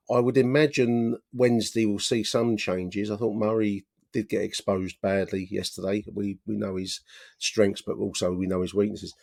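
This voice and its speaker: A man hosting a conversational football podcast, talking in a measured way and putting questions to his guest. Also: fairly low pitch, vocal fry, darkish tone. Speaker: podcast host.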